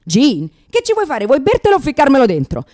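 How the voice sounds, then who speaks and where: A woman's voice: sits high, wildly swooping pitch, fairly quick, dark tone. A woman performing a theatrical comic monologue as a brash, neurotic lesbian comedian, sardonic, exclamatory, crude and self-mocking. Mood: exasperated, brash.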